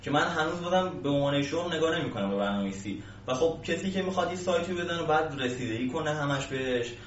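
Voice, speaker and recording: Here the interview guest, a male programming instructor, has an expressive, somewhat high voice. His answers are relaxed and explanatory, though the recording comes through muffled and echoey from a far-off mic with a faint hiss.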